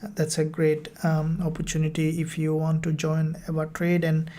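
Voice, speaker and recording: A female live-stream host and mentor speaks in a low, very even voice. Her phrasing is halting, and she takes an informal question-and-answer approach.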